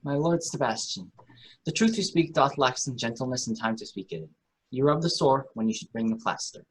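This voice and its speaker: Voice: medium pitch, animated, a little fast, a little hiss or hum, close to an everyday voice, low-quality recording. A performer reading a kindly, talkative, optimistic old courtier in a Shakespeare radio play, with earnest, wordy delivery. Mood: gently reproving.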